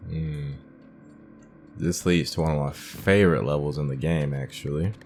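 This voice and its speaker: A man's voice: a bass voice, steady tone, normal speed, darkish tone. A man giving laid-back, casual commentary as he plays through a video game, muttering short remarks to himself. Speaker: gaming streamer playing through a game. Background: game music.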